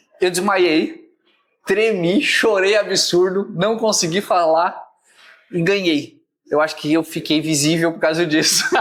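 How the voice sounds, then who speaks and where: Speaking fairly slowly at a high pitch, a man keeps his loudness very even while his pitch moves in an ordinary way. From Brazil, Santa Catarina interior (Tubarão). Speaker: podcast host. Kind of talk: casual interview chat.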